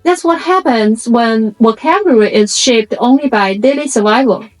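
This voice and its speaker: A woman with a fairly high voice and a Chinese accent, a native speaker of a Chinese dialect, narrates a reflective essay. She explains in measured short phrases, with music playing behind her. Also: low-quality recording. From China. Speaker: video essay host.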